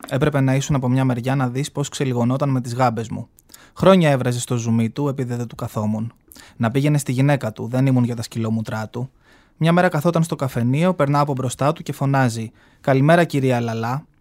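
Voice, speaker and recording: A man's voice: medium pitch, darkish tone, close to an everyday voice. A flamboyant aging gay man tells his life story with sass and mockery, as a man reads him from a novel. He sounds proud and brash. The reading is heard from a radio studio. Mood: sassy. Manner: sassy, mocking, storytelling.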